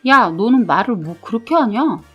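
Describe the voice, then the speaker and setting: A woman's voice: fairly high pitch, animated, moderate pace, slightly rough, muffled recording, soft background music. A woman reading a story aloud, voicing a weak-willed young husband who answers in a grudging, evasive way. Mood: irritated.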